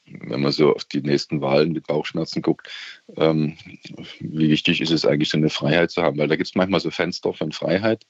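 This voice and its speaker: A man's voice: rumbling low, fairly even intonation, fairly quick, breathy edge, no echo, highs cut off. A middle-aged man with a Saxon accent calling in to a radio show, talking hesitantly with many fillers and restarts. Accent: Saxon German. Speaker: radio caller. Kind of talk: casual phone-in chat. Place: on holiday by the sea.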